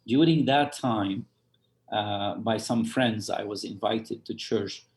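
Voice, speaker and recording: A man from Lebanon, a church leader, telling his story as an interview guest, halting with many fillers and restarts. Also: fairly low pitch. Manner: halting, full of fillers and restarts, chuckles while telling stories.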